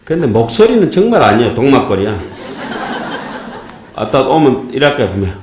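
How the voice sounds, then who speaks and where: A man's voice: medium pitch, very animated, fast talker, darkish tone, echoey room, slight background noise. A man giving a Buddhist dharma talk in a sermon style, folksy and joking, often checking in with his listeners. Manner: folksy, joking, asks the audience "예?". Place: temple dharma hall.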